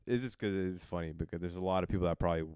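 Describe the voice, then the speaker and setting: A young man co-hosting a podcast, easygoing and quick to laugh. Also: deep voice, a little mellow, clean tone, dry recording, clean studio sound. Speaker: podcast co-host. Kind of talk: casual podcast chat.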